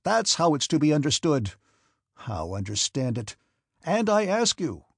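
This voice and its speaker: A man reading the part of an irascible old prince who is a domineering father, with a sharp, scornful, shouting manner. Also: a little high, big pitch swings, normal speed, vocal fry, slightly rough, no room sound, clean studio sound, pitched above the performer's own voice, full character voice. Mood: angry shouting. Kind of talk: audiobook character reading.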